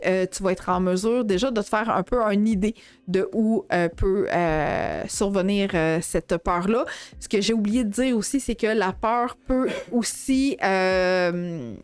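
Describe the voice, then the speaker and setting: A woman's voice: medium pitch, unhurried, clean tone, no room sound. A woman with a Québécois accent, hosting a dog-behavior show in a casual, chatty way, with lots of hesitations and self-corrections. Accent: Québécois French. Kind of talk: casual live-show talk to viewers.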